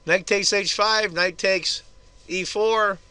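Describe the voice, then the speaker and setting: Hoarse man commenting on chess. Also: sits high, steady tone, slow, pushed and bright, dry recording. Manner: casual, chatty move-by-move analysis. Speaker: chess video host.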